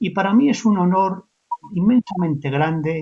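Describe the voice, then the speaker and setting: A man's somewhat breathy voice has a dark, mellow tone and lively intonation at a fairly slow pace. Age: 60s. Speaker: church elder. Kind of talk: religious interview.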